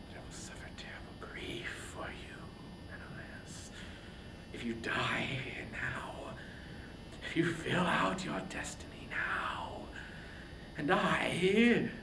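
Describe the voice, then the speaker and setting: A man voicing an anguished, wrathful warrior king in a declamatory, impassioned reading of epic poetry. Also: full character voice. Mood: anguished, grieving. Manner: impassioned, declamatory, swinging from shouts to breathy whispers. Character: anguished, wrathful warrior king grieving over wounded brother. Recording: roomy, echoing, faint background rumble.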